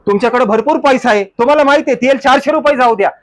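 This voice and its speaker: A man's voice: extremely high pitch, very fast, dry recording. A man preaching as a pastor in a church, exhorting his congregation with rhetorical questions and mock excuses. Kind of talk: sermon.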